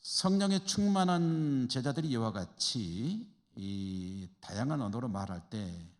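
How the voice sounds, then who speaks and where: A man's voice: mid-range voice, lively intonation, a little slow. A man, a pastor from the Chungcheong region, teaching a church Bible study in a conversational way and asking the class rhetorical questions. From Chungcheong, Korea. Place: church hall. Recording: reverberant church hall.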